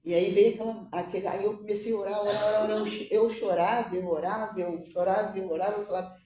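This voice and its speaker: A mother giving an emotional religious testimony, halting and repeating her words, tearful at times. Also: medium pitch, steady tone, echoey room, distant mic, background noise.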